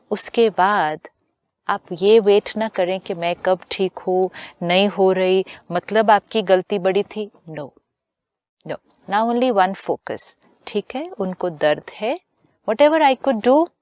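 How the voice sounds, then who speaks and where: Slow, gentle Indian woman, spiritual teacher, calm talk show, dry studio sound. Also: medium pitch, no echo. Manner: slow, gentle, deliberate speech mixing in English phrases.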